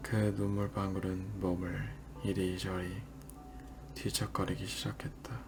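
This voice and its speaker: Over music in the background, a man with a very deep, low pitch talks at a very slow pace, using ordinary pitch variation and long, frequent pauses. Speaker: audiobook reader, bedtime reading channel host. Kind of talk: literary fiction reading. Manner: slow, soft-spoken, soothing.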